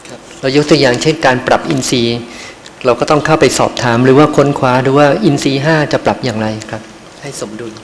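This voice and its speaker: A man interprets a meditation talk in a polite, measured way and closes his phrases with courteous particles. His voice sits at an ordinary pitch. It rings with a long hall reverb over faint background noise. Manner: polite, ends phrases with khrap.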